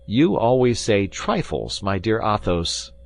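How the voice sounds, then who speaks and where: A man's voice: lowish voice, very animated, slow pace, creaky, voice pushed up, exaggerated voice. A man voicing an earnest, hot-headed young musketeer who speaks urgently. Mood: reproachful. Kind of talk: audiobook character reading.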